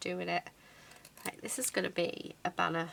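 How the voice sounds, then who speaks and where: A woman speaks with an English accent. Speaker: card-making crafter. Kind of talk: craft tutorial.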